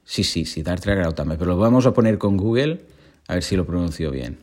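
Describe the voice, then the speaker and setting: A man with a Spain Spanish accent hosting a podcast, explaining ideas in a casual, joking monologue full of slang and quick check-ins with his listeners. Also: deep voice, lively intonation, a little mellow. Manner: slangy, jokey, constant "¿vale?" check-ins. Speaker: podcast host.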